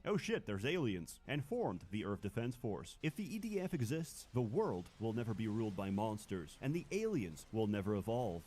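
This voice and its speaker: Man narrating with very animated pitch. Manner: dry sarcasm, profane. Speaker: YouTuber narrating a game review. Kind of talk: scripted comedic narration.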